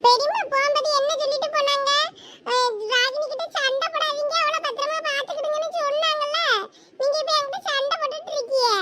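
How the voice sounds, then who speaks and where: Lady voicing a tiny sulky kid in a cartoon, super high and bright. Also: fairly even intonation, fairly quick, slight background noise. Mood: whiny. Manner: pleading, sulky. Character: small whiny girl, touchy and quick to cry. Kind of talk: animated comedy voice acting.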